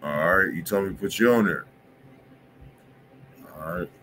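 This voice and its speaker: In a low, measured, fairly bright voice, a man hosts a music review livestream from an indoor home music studio, keeping it casual and slangy and often asking listeners "you feel me." Slight background noise is present.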